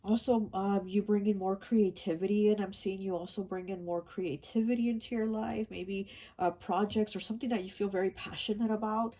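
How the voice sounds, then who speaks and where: A woman's voice: medium pitch, fairly even intonation, fairly quick, few pauses, mellow. A woman giving a casual tarot card reading, rambling with many fillers and restarts, her voice stuffy and nasal from allergies. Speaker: tarot reader.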